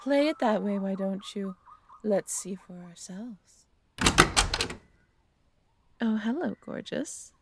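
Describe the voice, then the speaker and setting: A woman's voice: medium pitch, takes it slowly, pauses often, very noisy. A woman playing a proud, flirtatious female dragon in a fantasy audio drama, theatrical and teasing with grand wording. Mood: dry, domestic. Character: proud female dragon guardian, suave, flirtatious, quick to offense. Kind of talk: fantasy audio roleplay acting.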